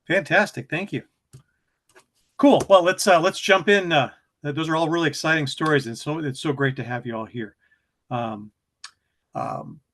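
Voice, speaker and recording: A man's voice: fairly high pitch, a bit bright. A man hosting a workshop broadcast, encouraging, with frequent restarts. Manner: encouraging, many fillers and restarts. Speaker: host.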